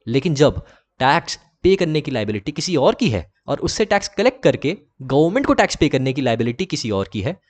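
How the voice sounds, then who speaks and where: A man's voice: medium pitch, big pitch swings, a little fast. A young man giving a lecture, chatty and playful, addressing his students and acting out both sides of his examples. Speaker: teacher.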